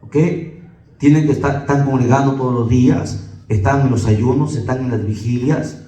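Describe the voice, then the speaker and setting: A pastor with a Peruvian Spanish accent, preaching emphatically to a congregation and firing off rhetorical questions. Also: male voice, medium pitch, normal speed, mellow, reverberant, recorded from a distance, rough recording.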